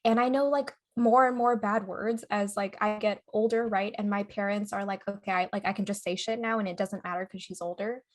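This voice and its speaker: A woman's voice: medium pitch, fairly even intonation, fairly quick, hardly any pauses. A young woman with a mid-range voice, co-hosting a podcast. She talks in chatty, filler-heavy stories and laughs easily as she goes. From United States. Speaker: podcast co-host. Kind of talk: casual chat.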